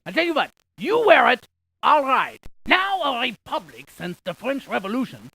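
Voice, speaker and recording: A man voicing an excitable, quirky scientist in a video game, with a creaky voice and a folksy, jokey, exaggerated delivery. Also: very high-pitched, normal speed, dry recording, exaggerated voice. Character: excitable, quirky scientist tour guide, full of folksy quips. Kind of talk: cartoonish video game character lines.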